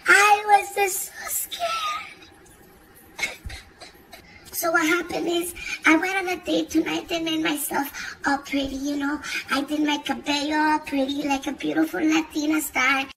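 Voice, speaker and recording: Performer doing a boastful Latina woman, very high voice, slow drawn-out delivery, Spanish words mixed in, bright tone, faint ambience. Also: flat delivery, slight background noise, exaggerated voice, low-quality recording. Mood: dramatic gossip. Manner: mixes Spanish words into English, laughs often. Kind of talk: comic character monologue.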